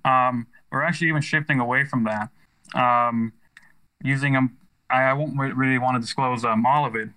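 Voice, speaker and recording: A man's voice: mid-range voice, fairly even intonation, moderate pace, sharp tone, poor audio. An American man giving casual, enthusiastic and emphatic explanations as an interview guest, often adding "you know". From United States. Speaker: tech startup founder, interview guest.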